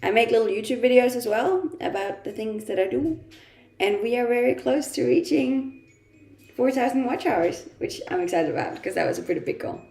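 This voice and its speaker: A woman's voice: a little high, animated, normal speed, a little mellow, reverberant. A woman from Denmark casually chatting through a morning livestream, often laughing to herself, a little stuffy-nosed. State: blocked nose from blowing it a lot. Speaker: livestreamer reading chat. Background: faint music.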